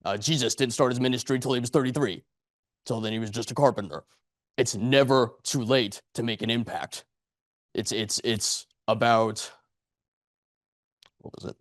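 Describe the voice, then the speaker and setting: A man in his late twenties gives an earnest, rambling motivational speech before a live audience in a speakers club meeting room, leaning heavily on repetition and rhetorical questions. His pitch is medium and his pace moderate, broken up by long pauses. The recording is studio quality with no room sound.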